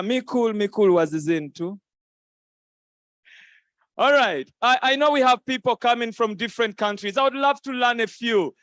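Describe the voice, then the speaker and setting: A man hosting a live event on stage, playful and quick to laugh as he teases the crowd into repeating greetings. His voice sits high for a man. The sound is dry and close, with little room echo. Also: a bit bright. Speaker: event host. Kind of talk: lively crowd interaction. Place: conference hall stage.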